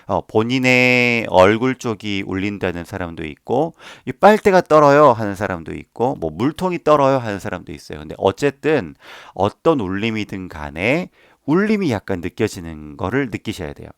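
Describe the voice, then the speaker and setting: A man's voice: fairly low pitch, sing-song, moderate pace, gravelly, hardly any pauses, clear, resonant tone, no room sound, studio quality. A man teaching a voice lesson, patiently explaining each step and demonstrating the sounds himself. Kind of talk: instructional voice lesson.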